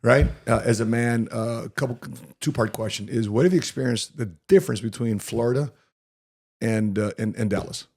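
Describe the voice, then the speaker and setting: A man's voice: mid-range voice, normal speed, darkish tone, breathy edge. A man hosting a podcast, asking long, rambling questions full of fillers in an upbeat tone. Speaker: podcast host. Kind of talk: casual podcast interview.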